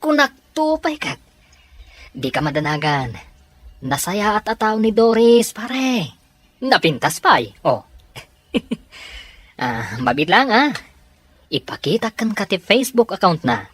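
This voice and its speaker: A woman voicing an easygoing, teasing young man in an Ilocano Filipino audio drama, with a husky voice. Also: mid-range voice, very animated, slow, pauses often, no echo, exaggerated voice. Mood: teasing, friendly.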